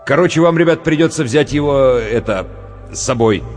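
A man voicing a gruff army major who barks orders. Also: mid-range voice, moderate pace, voice pushed up, close to an everyday voice. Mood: sighing. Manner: barking orders, shouting. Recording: long reverb with faint music.

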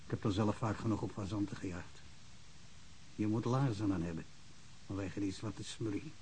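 A man's voice: on the low side, normal speed, a little mellow, a little hiss or hum, lightly acted, rough recording. An actor playing an emotional, stammering small-town policeman in a radio drama. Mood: shaken, remorseful. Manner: stammering, repetitive, rambling.

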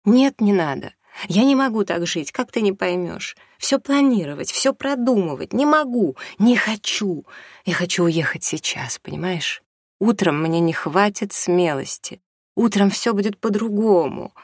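A reader voicing a desperate mother torn by a new love, pleading in a husky, high, breaking voice. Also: normal speed, no room sound, clean studio sound. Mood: anguished. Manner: pleading, tearful, rising to high anguished pitch. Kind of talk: audiobook reading.

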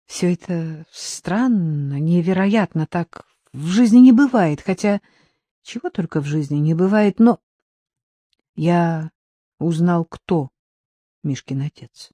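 A woman voicing a calm, firm middle-aged man who explains things in a level, measured way. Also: fairly low pitch, no room sound.

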